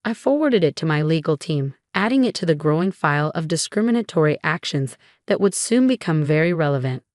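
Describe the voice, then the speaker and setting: A woman narrating a scripted first-person revenge story in a composed, even way. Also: low voice, fairly quick, dry recording, clean studio sound.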